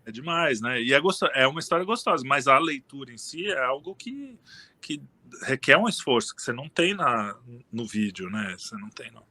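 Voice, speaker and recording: Bright-voiced man chatting casually. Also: mid-range voice, fairly quick. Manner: relaxed, rambling, frequent restarts and fillers. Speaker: interview guest. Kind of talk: casual conversation.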